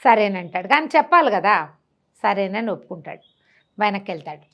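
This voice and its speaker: A woman's voice: mid-range voice, lively intonation, fairly quick. A woman retells a classical tale conversationally, acting out the dialogue and posing rhetorical questions as she goes. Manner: acts out characters' dialogue, asks rhetorical questions. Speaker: storyteller.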